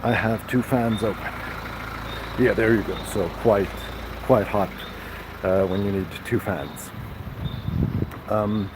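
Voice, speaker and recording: A man hosting a casual live stream, chatting with viewers in a halting way full of fillers and restarts. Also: on the low side, fairly even intonation, background noise. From Serbia.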